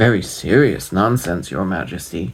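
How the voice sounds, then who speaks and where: Using a put-on character voice, a man with a fairly low pitch speaks at a moderate pace with lively intonation. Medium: read story. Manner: grave, measured.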